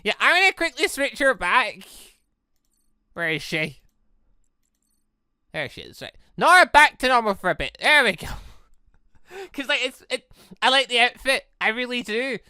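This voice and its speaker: A man's voice: very high-pitched, big pitch swings, measured pace, pauses often, pushed and bright, clean tone, no echo, clean studio sound. A man giving casual, rambling commentary as he hosts a gaming playthrough, often interrupting himself. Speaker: gaming video host.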